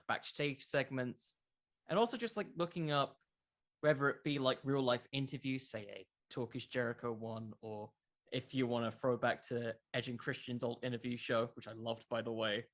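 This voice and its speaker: A man's voice: mid-range voice, fairly bright tone. Young man in casual interview chat. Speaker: podcast creator, interview guest.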